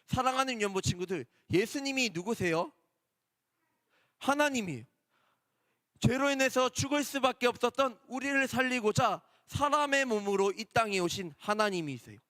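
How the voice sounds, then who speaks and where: A man with a fairly high voice gives a children's Sunday sermon in a church. He speaks gently, asks questions and repeats his key points for the young listeners. The sound is close at the source but trails a long hall reverb. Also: lively intonation, normal speed. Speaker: children's department preacher.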